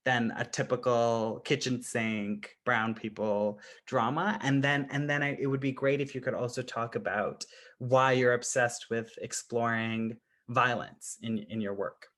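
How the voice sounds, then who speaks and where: A man's voice: medium pitch, fairly even intonation, measured pace, a bit bright. A man facilitating an informal roundtable, asking questions in an encouraging, carefully phrased way. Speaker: program facilitator, interviewer.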